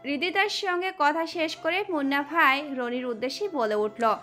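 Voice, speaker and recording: A woman's voice: sits high, normal speed, bright, forceful tone. A woman reading a scripted dramatic story as the narrator of an audio drama. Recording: music under the voice.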